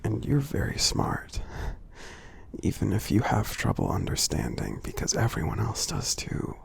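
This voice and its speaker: Guy doing a friendly giant for asmr, super gravelly and deep, gentle and supportive, soft whispery. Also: huge pitch swings, full character voice. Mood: soothing, supportive. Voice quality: husky, breathy, gravelly low voice. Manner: slow, gentle, reassuring, pausing often. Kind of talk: ASMR roleplay, soft half-whispered affirmations.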